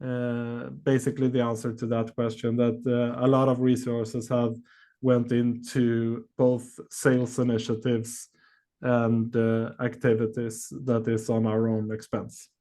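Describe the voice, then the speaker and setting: A male executive fields questions on an earnings call in a medium-pitched voice. He speaks in a halting, hesitant way, often stretching out filled pauses as he builds his answer. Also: completely flat delivery, mellow. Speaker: company executive.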